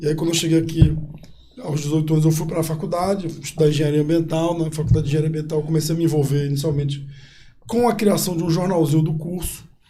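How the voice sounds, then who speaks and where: A man talks at a very fast pace in a fairly high pitch, with audible room echo and noticeable background noise. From Brazil, Rio de Janeiro. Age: 30s. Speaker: city councillor, politician. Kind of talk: interview.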